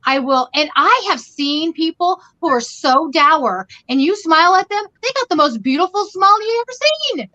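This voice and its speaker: A middle-aged woman hosts a casual livestream from her bedroom, her voice high and bright. She talks loudly and animatedly, rambling through anecdotes with quoted dialogue. The sound is dull and lo-fi. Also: moderate pace, few pauses. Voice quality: loud, animated storytelling voice. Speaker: livestream host. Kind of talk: casual chat. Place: bedroom at home.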